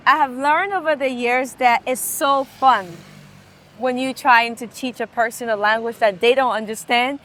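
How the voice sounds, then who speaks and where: Woman from Liberia, fairly high voice, casual street chat, agreeable. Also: measured pace, fairly bright tone. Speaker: guest, language teacher. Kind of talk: casual chat while walking. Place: outdoors in a city street.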